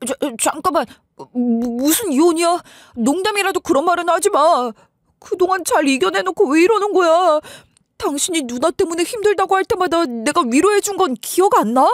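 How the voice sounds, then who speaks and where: A woman's voice: high voice, animated, moderate pace, a little mellow, no echo, studio quality, voice pushed up. A woman doing a stammering, remorseful husband. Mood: flustered. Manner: stammering, whimpering. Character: stammering remorseful husband, young adult man.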